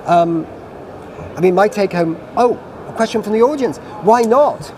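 A man's voice: sits high, moderate pace. British man, middle-aged, panel moderator, chatty, noisy event audio. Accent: British English. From Britain. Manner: chatty, self-deprecating, animated questions. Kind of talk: live panel discussion. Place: conference pavilion stage. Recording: noisy live event feed.

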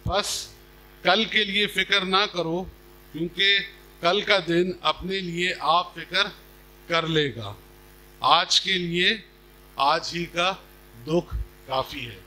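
A middle-aged man preaching a sermon in a measured, deliberate manner, speaking into a podium microphone. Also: high voice, sharp tone, low-quality recording. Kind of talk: sermon with scripture reading. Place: stage at a church gathering. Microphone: podium microphone on a stand.

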